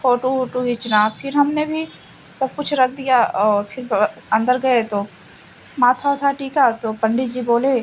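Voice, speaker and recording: A woman with a fairly high voice narrates her family outing in a loose, chatty vlog voice-over. She rambles and repeats phrases as she goes. Faint ambient noise sits under her voice. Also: a little slow, rough recording. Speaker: vlogger narrating a family trip. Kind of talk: casual travel vlog voice-over.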